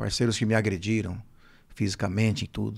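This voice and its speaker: A man speaks against a quiet background. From Brazil, interior of São Paulo state (Ribeirão Preto), moved to São Paulo at 14; São Paulo state, Brazil. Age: 60s. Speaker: sertanejo singer; podcast guest. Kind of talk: casual interview chat. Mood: reflective, sometimes smiling. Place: studio. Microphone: studio mic.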